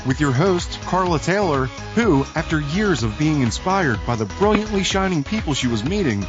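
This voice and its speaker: Man, announcer voice-over, slightly high, animated, music bed. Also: normal speed. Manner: polished, promotional delivery. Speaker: show announcer. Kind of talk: scripted show intro voice-over.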